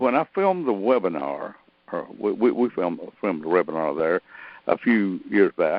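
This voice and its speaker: Speaking at a fairly slow pace with long, frequent pauses, a man talks in an American accent. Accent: hillbilly. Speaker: dowser. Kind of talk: Q&A webinar talk. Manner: folksy storytelling.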